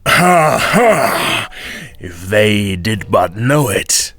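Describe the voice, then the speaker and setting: A man voicing a gruff, ill-tempered male devil in a storybook reading, with slow, drawn-out, loud delivery. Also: lowish voice, animated, soft background music, full character voice. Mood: gloating.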